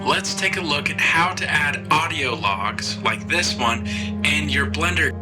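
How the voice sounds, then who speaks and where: A man's voice: on the high side, measured pace, poor audio. A man reading scripted tutorial narration. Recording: loud music under the voice. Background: loud music.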